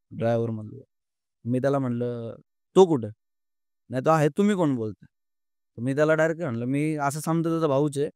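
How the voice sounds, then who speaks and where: A man's voice: fairly high pitch, clean tone, dry recording, studio quality. Earnest young man. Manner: earnest, halting, many fillers and restarts. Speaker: podcast guest. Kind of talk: emotional storytelling in an interview.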